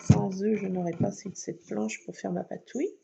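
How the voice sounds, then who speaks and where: A woman's voice: medium pitch, level tone, moderate pace, vocal fry, mellow. A woman chatting through a crafting tutorial at home, explaining each step with lots of fillers. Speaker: craft vlogger. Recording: dull lo-fi sound with faint noise.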